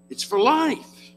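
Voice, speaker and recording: A man's voice: very high voice, a bit bright. An American man in his seventies preaching a sermon to a congregation in a folksy, plain-spoken, emphatic way, often putting questions to his listeners. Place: church, in front of a congregation.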